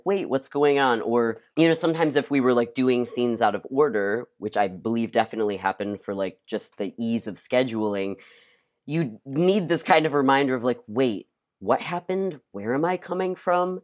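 An American actor in a casual interview, with a mid-pitched voice. The talk is youthful and enthusiastic, full of fillers and hesitant little restarts as thoughts come together. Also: darkish tone.

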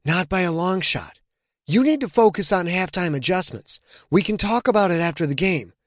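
A man voicing a calm, blunt young quarterback in an audiobook, speaking quietly and firmly. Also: high voice, moderate pace, dry recording, studio quality, pitched above the performer's own voice. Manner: quiet, steady, firm.

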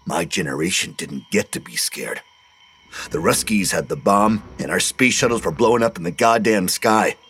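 Gruff old vet guy bragging and sneering, deep growly voice, a man doing him. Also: moderate pace, a bit bright, slight background noise. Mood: taunting. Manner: gruff, taunting. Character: boastful old male war veteran, gruff and bitter.

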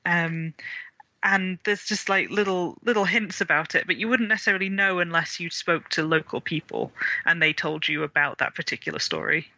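A man's voice: fairly high pitch, normal speed, gravelly, pushed and bright, dry recording. A man from Wales, a guest on a video call, talking casually with many fillers, restarts and small laughs, on a dull lo-fi line. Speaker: author and illustrator guest. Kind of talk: casual interview chat. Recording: dull lo-fi dry sound.

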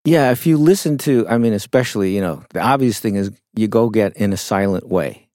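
A middle-aged man, a songwriter guest in an interview, talking in a reflective, unhurried way with frequent fillers. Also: on the low side, animated, darkish tone, no echo, studio quality. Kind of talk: conversational interview storytelling.

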